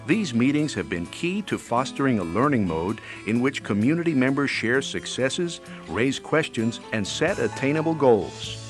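Lively male documentary narrator over music. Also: mid-range voice, moderate pace, few pauses. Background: background music.

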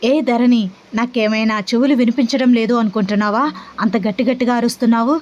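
A woman's voice: on the high side, steady tone, fast, darkish tone, lo-fi sound, close to an everyday voice. A woman voicing a short-tempered husband who schemes revenge and snaps at his wife. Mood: irritated. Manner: brooding and irritable.

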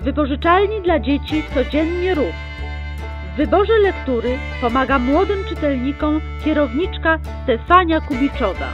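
A woman reads the chronicle in the crisp, chirpy manner of an old 1960s newsreel announcer, her voice sitting high. Her delivery stays brisk and upbeat throughout. Plucked guitar music plays clearly behind her. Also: lively intonation, dull audio. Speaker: chronicle narrator. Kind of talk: mock 1960s newsreel narration.

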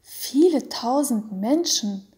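A woman voicing a small, frightened boy in a storybook reading, pleading in a high, crying voice. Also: lively intonation, slow pace, warm tone. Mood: tearful.

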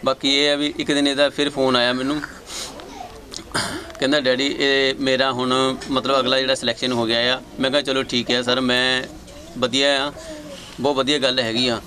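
A man's voice: mid-range voice, flat delivery, normal speed, pushed and bright. A middle-aged Punjabi man telling his son's story in a conversational, repetitive way, often quoting himself and his son. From Punjab, India. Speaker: father of a young dancer. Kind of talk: recounting family story.

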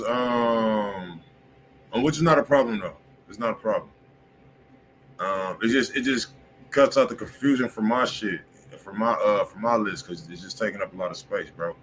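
A man's voice: mid-range voice, fairly bright tone, slight background noise. A man hosting a music review livestream in casual, slangy talk, often checking in with his listeners. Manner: laid-back slangy talk, keeps asking "you feel me". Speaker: music review show host. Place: indoor home music studio room.

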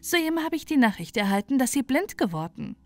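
Woman voicing a high-pitched scheming storybook queen. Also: big pitch swings, fairly quick, darkish tone, dry recording. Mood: insistent. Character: scheming wicked queen, sly and persuasive. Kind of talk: storybook character voice.

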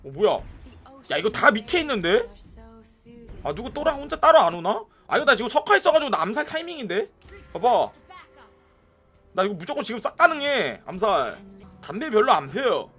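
A young adult man giving excitable live commentary on a mobile game, yelling at teammates in bursts and chatting with viewers, with faint music behind. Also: sits high, brisk, long pauses.

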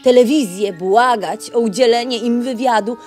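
A woman's voice: on the high side, normal speed, a little mellow, soft background music, lightly acted. A woman voicing an earnest, dreamy female tortoise in a children's audio play. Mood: dreamy, longing.

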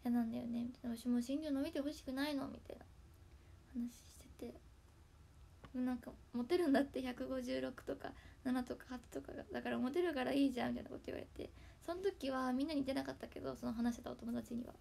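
Young hakata-dialect girl livestreaming at home on her tablet, high voice, gravelly edges, chatty and keeps going whispery. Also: steady tone, fast talker, a little hiss or hum. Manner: chatty, drops into soft whispery asides. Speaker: idol livestream host. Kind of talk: casual livestream chat thanking viewers for gifts. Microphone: tablet built-in mic.

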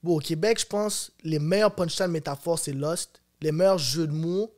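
A man in his twenties with a Quebec French accent, talking as a guest rapper in a casual interview, animated and slangy, peppering his speech with "bro". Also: a little high, moderate pace. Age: 20s.

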